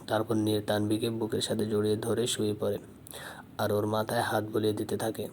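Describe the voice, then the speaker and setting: A man narrating a romantic audio story in a plain, unhurried reading voice. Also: lowish voice, monotone, a little mellow, slight background noise.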